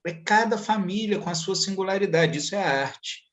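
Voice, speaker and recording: A man talks on a video call in a high, lively voice. He is blunt and swears freely, telling stories in a relaxed conversational way. The call audio is somewhat lo-fi. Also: brisk. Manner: blunt and profane, animated storytelling. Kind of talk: casual panel conversation.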